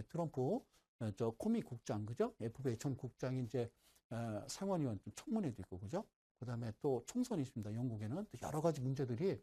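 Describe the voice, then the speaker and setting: A man's voice: medium pitch, warm tone, husky. A middle-aged man giving a broadcast stock-investing lecture, who keeps asking listeners "right?" and teases them.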